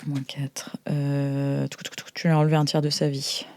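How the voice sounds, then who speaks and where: A woman's voice: low voice, monotone, normal speed, darkish tone, dry recording. A woman running an improvised tabletop role-play game as game master, talking informally and hesitantly with playful little sound effects.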